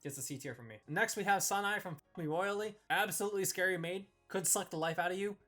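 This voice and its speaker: A man's voice: high-pitched, fast, sharp tone, soft background music. A man hosting a video, giving scripted review commentary as he ranks characters in a tier list.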